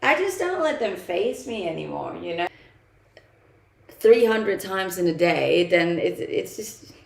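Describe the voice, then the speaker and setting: Speaking unhurriedly but with great animation, this woman has a lowish voice with vocal fry, and the recording sounds roomy. She's a young Dane whose first language is Danish, casually chatting on a live stream, laughing a lot, using many fillers, and reading out comments from viewers.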